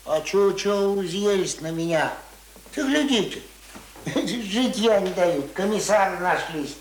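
Old peasant grumbler for radio play: high-pitched, unhurried, folksy, stubborn. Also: male voice, animated. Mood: grumbling. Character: grumbling, stubborn, uneducated old village man. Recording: roomy radio play recording, faint noise.

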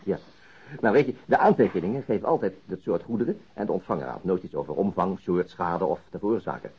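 An actor playing a stubborn, dry-humoured middle-aged police detective in a Dutch radio drama, wry and self-interrupting. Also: male voice, low voice, expressive, quick pace, husky, heavily acted. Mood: animated, wry. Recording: muffled archived radio drama recording.

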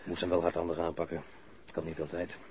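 A man plays a calm police officer with dry humour in a radio crime drama. The voice is very deep and the delivery is clipped and matter-of-fact. There is clear noise on the recording. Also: fast, close to an everyday voice. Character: calm, dryly humorous foreign male police officer. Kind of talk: radio drama acting, dialogue.

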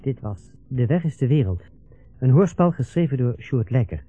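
A man's voice: mid-range voice, lively intonation, moderate pace. A man reading scripted closing credits formally as a radio play announcer. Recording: dry narrowband old radio recording. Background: music.

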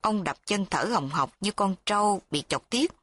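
A woman narrating a story with a steady, even reading. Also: medium pitch, moderate pace, breathy edge.

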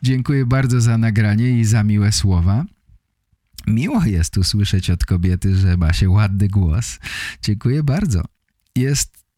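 A man hosting a podcast, giving an explanatory monologue for language learners in short, deliberately phrased sentences. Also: lowish voice, mellow, no room sound, studio quality. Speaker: podcast host.

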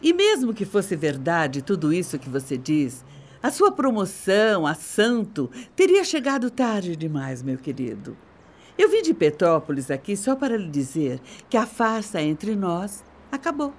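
A scornful middle-aged Brazilian wife in a radio soap opera. Her delivery is haughty and theatrical, swinging widely in pitch as she mocks and belittles her husband.

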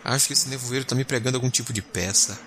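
A man's voice: medium pitch, fast talker, background noise, natural voice. A man playing a nervous, skeptical space explorer captain in an audio drama, grumbling and stammering when alarmed.

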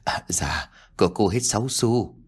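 A man's voice: lowish voice, expressive, measured pace, slightly rough. A man voicing a timid, deferential villager who speaks hesitantly and stammers, in a told ghost story.

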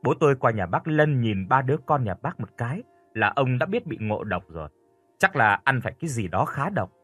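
A man narrating a scripted first-person horror story in an expressive storytelling voice. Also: mid-range voice, brisk, breathy edge, dry recording, faint music behind.

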